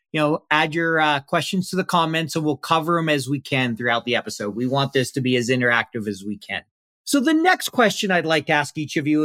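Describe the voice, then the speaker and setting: A man's voice: fairly high pitch, fairly bright tone, dry recording, clean studio sound. A man hosting a live panel discussion, asking guests friendly questions in an upbeat way. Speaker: podcast host.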